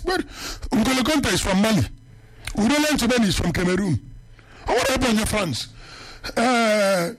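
A Nigerian man with an Igbo accent and a high-pitched voice hosts a radio sports show. He rambles loosely, piling up "eh" fillers and switching into Igbo phrases as he talks. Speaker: radio sports talk host. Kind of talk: casual radio commentary.

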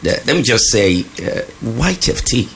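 A man hosting a live radio interview in a studio, with lively on-air patter. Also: medium pitch, moderate pace, creaky, slight background noise. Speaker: radio host.

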